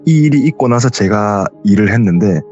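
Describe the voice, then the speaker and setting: A man's voice: fairly low pitch, animated, a little fast, darkish tone, dull audio, soft background music. A young man with a heavy regional dialect tells a true ghost story as a guest, acting out the quoted voices.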